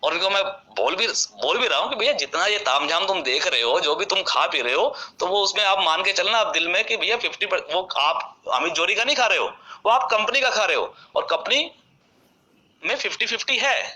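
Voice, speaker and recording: A man's voice: sits high, expressive, brisk, sharp tone, poor audio. A man making an unscripted, impassioned recorded statement to company members, asking rhetorical questions and repeating himself for emphasis. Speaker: company director addressing members.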